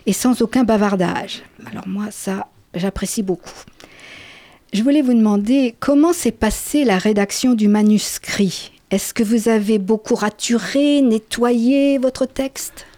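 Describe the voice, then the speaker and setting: Woman, interviewer, mellow voice, dry close sound, reads quotes. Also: a little high, no room sound. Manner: reads quotations aloud, warm praise. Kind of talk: literary interview.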